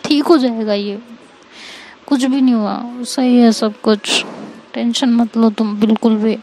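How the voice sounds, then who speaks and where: A woman's voice: on the high side, fairly even intonation, measured pace, a little mellow, a little hiss or hum, poor audio. A woman storyteller voicing a young woman who pleads with and comforts her girlfriend in a slightly raised voice. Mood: soothing. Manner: pleading, apologetic, coaxing.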